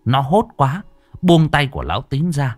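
Lively male storyteller, dry close sound. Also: medium pitch, moderate pace, no room sound, soft background music. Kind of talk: spoken folk story narration.

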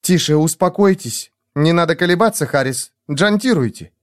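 A man voicing a lonely, high-strung young woman who pleads and frets. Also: expressive, moderate pace, no room sound, clean studio sound, lightly acted.

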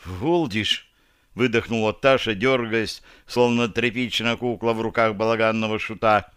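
A man reading a first-person fantasy audiobook in a measured, expressive way, voicing the dialogue in character. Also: mid-range voice, clear, resonant tone, dry recording, studio quality. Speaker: audiobook narrator.

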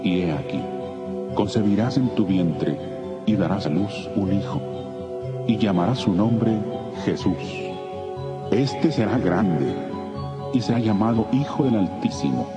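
An actor playing a majestic angel messenger of God in solemn, declamatory scripture drama. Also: male voice, on the low side, animated, a little slow, pauses often. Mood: solemn, reassuring. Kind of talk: dramatized scripture audio acting. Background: loud music.

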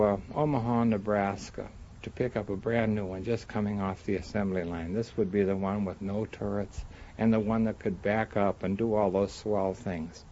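A man's voice: lowish voice, warm tone, dull audio, a little hiss or hum. An older man with an American accent, a war veteran telling anecdotes in an interview.

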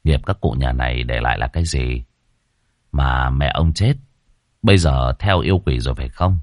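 A man voicing a stern young exorcist who questions spirits in a low, measured voice. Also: a little mellow, no echo, studio quality.

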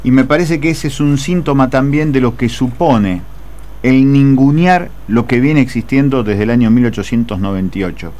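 A man's voice: medium pitch, normal speed, dark tone. An Argentine man calling in to a radio show, making earnest political points in a rhetorical, list-building way. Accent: Argentine Spanish. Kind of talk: impassioned political commentary.

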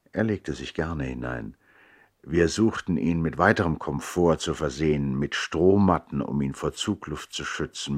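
Reflective older narrator, very low voice, melancholy, emphatic theatrical phrasing, 1960s literary radio play. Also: male voice, slightly rough, exaggerated voice. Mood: measured, recounting. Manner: measured, emphatic, elegiac. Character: Biagio, reflective elderly brother narrating with melancholy.

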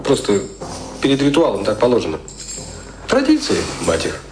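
A man acting a brash, domineering media boss in a radio drama, speaking in a blunt, slangy way with a husky voice. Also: mid-range voice, wildly swooping pitch, moderate pace, poor audio. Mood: offhand, brusque.

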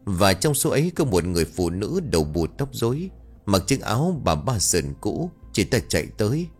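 Male storyteller, low and expressive, faint music behind. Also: moderate pace, slightly rough. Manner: steady, dramatic narration. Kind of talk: dramatic story narration.

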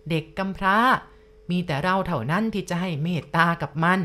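A woman telling a first-person ghost story at a slow, confiding pace, speaking straight to the listener. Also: lowish voice, steady tone, sharp tone.

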